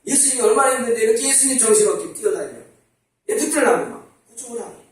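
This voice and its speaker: Animated high-voiced male pastor, echoey hall. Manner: animated, conversational, asks the congregation rhetorical questions. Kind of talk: sermon. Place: church sanctuary. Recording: very echoey church hall from far off.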